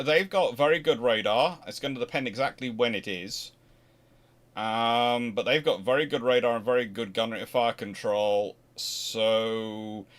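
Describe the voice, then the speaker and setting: Rambling man answering viewer questions. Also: mid-range voice. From Scotland. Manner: rambling, self-correcting, animated asides. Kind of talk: casual livestream Q&A.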